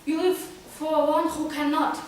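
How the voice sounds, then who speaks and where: High-voiced Kazakh-accented woman in a very echoey room. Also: flat delivery. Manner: halting, with long searching hesitations. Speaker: club speaker. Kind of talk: prepared amateur motivational speech. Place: meeting room, recorded from a distance. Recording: very echoey room, distant mic, faint noise.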